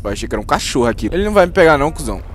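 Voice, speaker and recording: A young man with a Brazilian Portuguese accent, doing loud, profane gameplay commentary and jumping between yelling and muttering. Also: a little high, sing-song, racing, slight background noise. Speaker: gaming youtuber.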